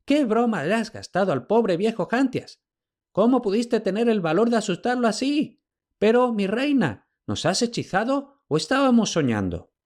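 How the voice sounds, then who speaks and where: A man's voice: high voice, very animated, voice pushed up. A man voicing a doddering, fawning old male slave who stammers and pants out his words. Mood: babbling. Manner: breathless, stammering, slow.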